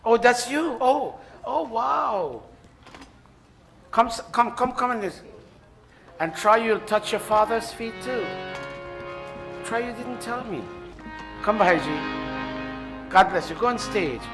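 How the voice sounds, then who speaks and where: A man with a high voice leads a temple ceremony and directs the people gathered there. He gives his instructions live and mixes in jokes and apologetic asides, with faint music playing behind him. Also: animated, slow, gravelly, pauses often. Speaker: temple priest leading a ceremony.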